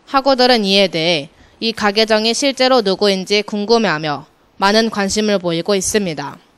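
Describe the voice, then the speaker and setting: A woman speaks at a moderate pace in a plain, everyday voice, medium in pitch. Her loudness is very even and her pitch variation is ordinary. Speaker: student news reporter. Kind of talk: news report. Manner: formal.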